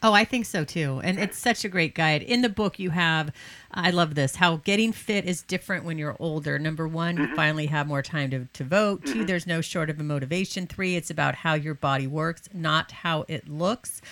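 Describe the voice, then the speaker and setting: In a plain, everyday voice with an American accent, the speaker moves at a fairly quick pace with hardly any pauses and ordinary pitch variation, on a very clean recording with a silent background. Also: woman, fairly low pitch for a woman. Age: 50s. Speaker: podcast host. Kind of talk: casual interview.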